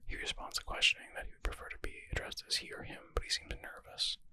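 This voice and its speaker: A man speaks entirely in a breathy whisper with no voiced tone, bright and airy. It is an ASMR reading mixed with casual, murmured commentary, as if he is thinking aloud. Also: fast. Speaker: ASMR creator reading and answering medical exam questions.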